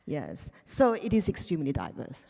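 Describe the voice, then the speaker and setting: A woman from China speaking on a panel, halting and full of restarts and fillers. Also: deep voice, huge pitch swings, gravelly, dark tone, in a large hall. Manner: hesitant, many restarts and fillers. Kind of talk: panel discussion.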